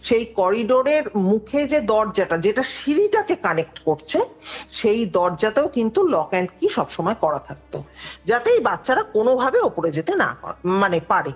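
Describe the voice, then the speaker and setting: A woman's voice: medium pitch, moderate pace, slightly rough. A woman telling a story conversationally, acting out the dialogue as she goes. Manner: animated, acts out quoted dialogue. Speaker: guest telling a ghost story. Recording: dull lo-fi call recording with music behind. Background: background music.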